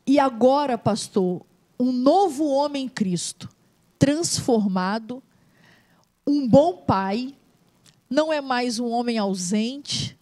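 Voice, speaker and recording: A middle-aged Brazilian woman co-hosts a gospel TV interview, her voice sitting a little high. She speaks emotively, like a preacher, and slows down to stretch the words she wants to stress. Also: dark tone. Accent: Brazilian Portuguese. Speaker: missionary and co-host interviewing a pastor.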